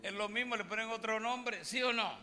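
High-pitched and brisk, with a steady tone, this man from Puerto Rico preaches as pastor in a large church hall. His sermon is comic, full of teasing jokes aimed at the congregation, and music plays throughout the live recording.

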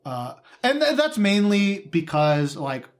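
Young texas guy, kinda high voice, super lively, cusses a lot, just chatting. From Texas, USA. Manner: animated, swearing, quick asides. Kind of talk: casual chat.

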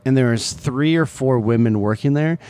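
A man's voice: mid-range voice, normal speed, dark tone, smooth. A middle-aged man with a Midwestern US accent, co-hosting a casual chat in a chatty, teasing, rambling way. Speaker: podcast co-host, parent.

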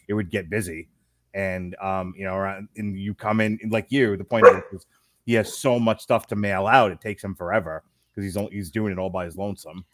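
A man's voice: on the low side, a bit bright, no room sound. A man in casual conversation as a podcast co-host, rambling along conversationally. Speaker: podcast co-host and network owner. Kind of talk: casual chat.

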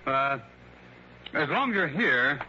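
A man's voice: a little high, animated, slow pace, sharp tone, a little hiss or hum, full character voice. An actor playing a wealthy male mystery author in his late fifties, gushing and hesitant with fillers, in a 1960s radio drama. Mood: brooding. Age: 50s. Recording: dull lo-fi old radio broadcast.

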